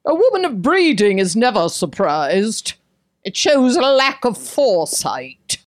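An actress playing an imperious, elderly upper-class matriarch in a comedic radio play, declaiming grandly and deliberately. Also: female voice, on the high side, very animated. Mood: haughty.

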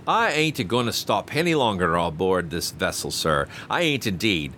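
A man's voice: low-pitched, sing-song, normal speed, bright, forceful tone, slight background noise, exaggerated voice. A man voicing a jittery, servile ship's steward who talks in dialect and says sir constantly. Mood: pleading. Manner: dialect speech, fawning, many "sir"s.

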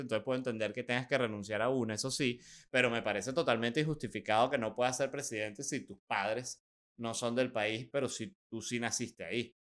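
A young Venezuelan man hosts a podcast in a relaxed, conversational way, slipping in sarcastic jokes and quick asides. His voice is smooth and resonant, pitched in the middle for a man. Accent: Venezuelan Spanish. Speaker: podcast host. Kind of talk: casual commentary.

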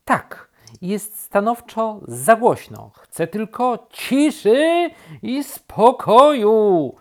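A high, strained, grumpy boy rabbit played by a woman storyteller, forever exasperated and craving quiet. His complaints burst out loudly and swing widely in pitch. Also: very animated, drawn-out words, full character voice.

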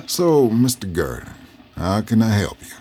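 An actor playing an elderly former slave and Union veteran who is guarded, wry and folksy. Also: male voice, on the low side, big pitch swings, unhurried, a little mellow, slight background noise. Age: older. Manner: wary, folksy, drawling. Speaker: interviewee.

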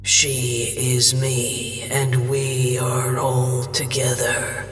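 Hungry slime monster, super slow flat drone, sounds far off n echoey. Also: female voice, very deep voice, faint music behind, voice pushed down, heavily acted. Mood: eerie. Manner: slow, flat, monotone utterances. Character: ancient lonely slime creature, hive-minded, hungry. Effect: distant echoing reverb. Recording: far-off echoey hall effect.

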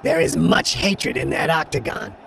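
A man's voice: fairly high pitch, wildly swooping pitch, normal speed, gravelly, fairly bright tone, soft background music, heavily acted. A man voicing a gloomy alien male leader who speaks in a grave, formal way. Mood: grim.

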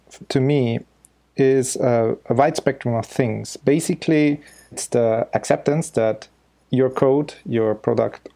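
A man's voice: mid-range voice, gravelly, warm tone. A man with an Austrian German accent, explaining things conversationally as a podcast guest. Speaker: podcast guest, freelance developer.

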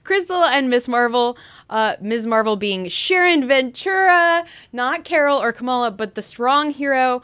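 A woman's voice: high-pitched, lively intonation, a little slow, a bit bright, smooth, no room sound. A woman co-hosting a comics podcast in a playful, giggly way with jokey asides. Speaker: podcast co-host.

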